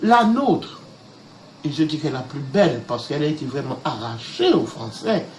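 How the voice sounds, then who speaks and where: A man from Haiti speaks emphatically, like an orator. His pitch is fairly high and swings widely. He is recorded in an echoey room with a faint hiss. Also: very animated, moderate pace. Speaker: interviewee. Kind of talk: impassioned commentary.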